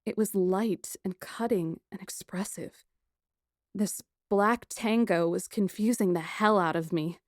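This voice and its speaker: Expressive woman narrator, dry sound. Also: mid-range voice, measured pace, dry recording. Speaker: audiobook narrator. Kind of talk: expressive first-person scripted narration.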